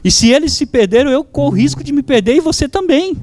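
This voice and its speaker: A high-pitched man whose first language is German delivers a fervent sermon as pastor, crying out to his congregation. Faint guitar music plays softly behind him. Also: lively intonation, fast. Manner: fervent preaching with exclamations to the congregation.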